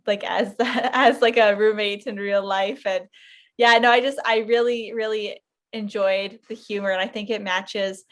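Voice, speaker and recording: A woman's voice: mid-range voice, fairly even intonation, unhurried. A woman podcast panelist chatting casually and informally, feeling her way through her thoughts. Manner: informal, hesitant, frequent "like". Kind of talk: casual chat.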